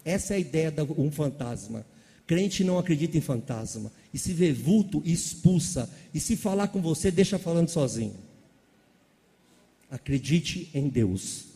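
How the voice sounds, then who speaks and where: A man preaches with animated energy and keeps calling out questions to his congregation. His voice sits a little high but sounds warm and mellow. A long reverb from the church hall trails behind each phrase. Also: moderate pace, gravelly. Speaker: pastor. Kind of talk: sermon.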